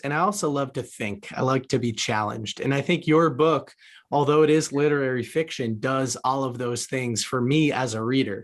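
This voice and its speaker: A man hosting a podcast interview in a conversational, upbeat and articulate way. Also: medium pitch.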